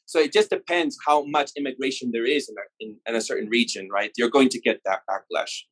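A man's voice: medium pitch, brisk, fairly bright tone, low-quality recording. A man from Mexico in casual conversation, rambling and laughing as he tells stories, often cutting himself off mid-sentence. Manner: rambling, self-interrupting, laughing storyteller.

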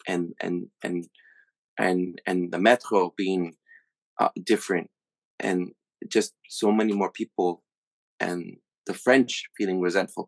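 A man's voice: low-pitched, creaky, fairly bright tone, dry recording. Hesitant man in his thirties. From USA. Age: 30s. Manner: hesitant, many fillers and restarts. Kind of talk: casual conversational chat.

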